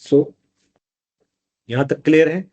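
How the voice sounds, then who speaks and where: A man teaches a live online math lecture in a mix of Hindi and English, explaining step by step and often checking that students follow. His voice is a little high and warm, and he takes it slowly.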